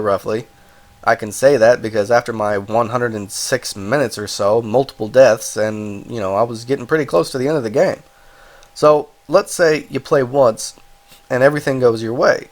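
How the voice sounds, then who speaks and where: A man with a cold and a stuffed-up voice, casually reviewing a video game, rambling and correcting himself as he goes. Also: medium pitch. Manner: rambling, self-correcting, apologetic asides. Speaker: game reviewer, channel host.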